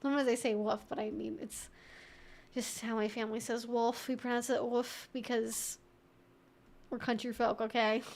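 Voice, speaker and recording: A woman's voice: a little high, little pitch movement, moderate pace. A woman hosting a live Q&A stream, thinking aloud in an informal, chatty, wry and opinionated way.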